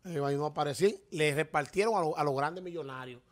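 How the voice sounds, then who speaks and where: Animated Dominican man co-hosting a talk show. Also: a little high, quick pace. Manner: animated, gesturing, emphatic rhetorical questions. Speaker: radio show co-host. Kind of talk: casual panel commentary. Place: TV-radio studio. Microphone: studio microphone on desk stand.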